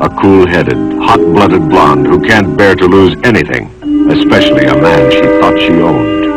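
Moderate pace over loud background music. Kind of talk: movie trailer. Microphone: old recording.

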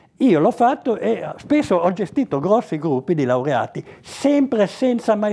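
Against a quiet background, a man with a dark, mellow tone speaks at a moderate pace, his pitch swinging very widely. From Italy. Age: 70s. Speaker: Holocaust-era persecution survivor and witness; interviewee. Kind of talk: interview testimony. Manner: halting. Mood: reflective, earnest memories. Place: home room. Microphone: lapel.

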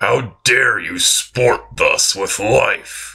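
A man speaks in a raspy, put-on character voice. His pace is very slow. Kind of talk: dramatic classic literature reading. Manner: solemn, accusing, menacing then pleading.

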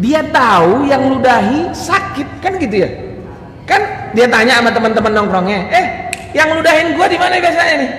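A man with a Medan accent speaks at a moderate pace amid audible room echo and light background noise. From Medan, North Sumatra. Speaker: Islamic preacher. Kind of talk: religious sermon to a mosque audience. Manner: lively, humorous storytelling. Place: hall. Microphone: podium.

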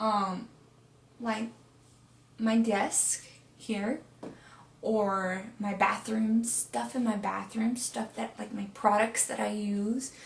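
A woman speaks very slowly with long, frequent pauses. Her voice is somewhat breathy, and room echo is audible. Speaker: vlogger. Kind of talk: personal vlog, venting. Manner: hesitant, many fillers; flat, detached. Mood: earnest, venting personal struggles. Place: home room. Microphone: webcam.

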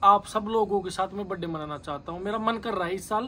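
This man has a high-pitched voice with a bright, sharp tone. He talks at a moderate pace with fairly even intonation. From Rajasthan, Tonk district. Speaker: vlogger. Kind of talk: casual vlog talk.

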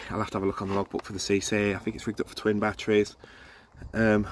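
Over light background noise, a man with a fairly low pitch speaks in a monotone, flat way, the sound dry with no echo. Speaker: van seller. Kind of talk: casual walk-around commentary. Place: open country. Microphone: phone near.

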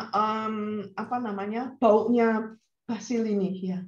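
A woman's somewhat breathy, fairly high voice with audible room echo. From Indonesia. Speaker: urban gardener; guest. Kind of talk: presentation on gardening. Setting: video call. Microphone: video call.

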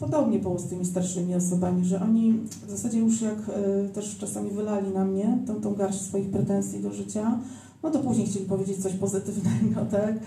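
Fairly quick pace and ordinary pitch variation in a normal speaking voice. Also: woman, medium pitch for a woman. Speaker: author and museum worker. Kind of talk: author talk with audience. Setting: live event with audience, microphone.

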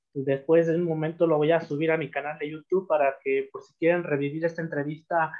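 Monotone, flat intonation over a quiet background. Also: man. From Mexico, Hidalgo. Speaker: online interviewer. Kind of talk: interview. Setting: video call. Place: home room. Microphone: video call.

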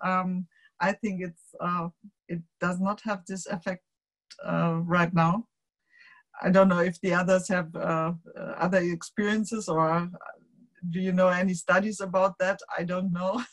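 A woman with a German accent speaks at a fairly slow pace, somewhat breathy, with monotone, flat intonation. She takes long, frequent pauses, and the background is quiet. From Germany. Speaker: German federal legislator, co-moderator; co-moderator. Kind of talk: webinar moderation and panel discussion. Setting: video webinar. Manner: halting, many fillers. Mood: friendly, engaged. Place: home room. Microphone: video call.

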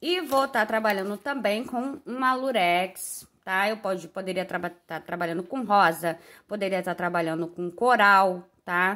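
A woman with a bright, sharp tone speaks with ordinary pitch variation and hardly any pauses. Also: medium pitch for a woman, moderate pace. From Brazil. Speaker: craft youtuber. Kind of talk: tutorial. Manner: animated. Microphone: phone near.

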